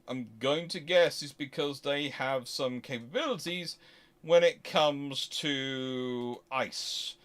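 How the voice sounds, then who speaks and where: A man hosting an unscripted question-and-answer talk, speaking discursively and working through his thoughts aloud. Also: mid-range voice. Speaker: host answering audience questions.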